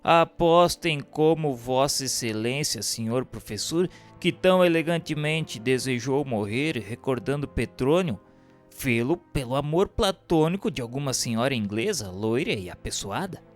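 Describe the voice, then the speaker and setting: A man's voice: mid-range voice, lively intonation, unhurried, lightly acted. An actor playing a sardonic dead man who recounts his afterlife in theatrical, literary radio novel style. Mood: mocking. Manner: theatrical, mocking, literary diction. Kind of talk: dramatized first-person radio novel narration. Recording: long hall reverb, music underneath.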